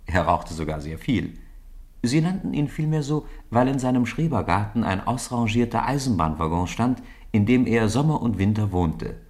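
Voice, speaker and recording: A man tells a children's story as the narrator of a radio play. His voice sits fairly low and moves with very animated intonation through the scripted text. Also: normal speed.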